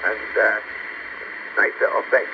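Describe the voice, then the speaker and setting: A man chatting casually as a CB radio operator, heard through a radio transmission. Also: a little slow. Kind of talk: casual radio contact chat. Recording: dull CB radio with heavy static.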